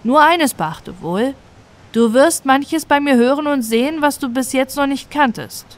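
A woman's voice: high voice, expressive, a little slow, voice pushed up. A woman voicing a small friendly house goblin, kindly and admonishing, in a fairy-tale audiobook. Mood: gentle warning.

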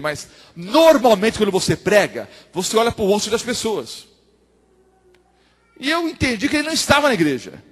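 A man's voice: high voice, slightly rough. A male pastor preaching a sermon in a church, telling a testimony and acting out the dialogue, addressing the congregation. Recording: long church hall reverb.

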